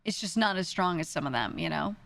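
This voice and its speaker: A woman's voice: on the low side, lively intonation, a little fast, vocal fry, fairly bright tone, no echo. A young woman with a New York accent, chatting casually on a stream, rambling and self-deprecating with frequent laughs. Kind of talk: casual stream chat answering viewers.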